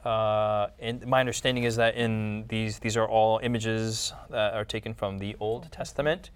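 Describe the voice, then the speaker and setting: A man's voice: fairly low pitch, fairly even intonation, normal speed, clean tone. A man hosting a casual Bible study discussion, musing aloud and often rephrasing himself. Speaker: discussion host.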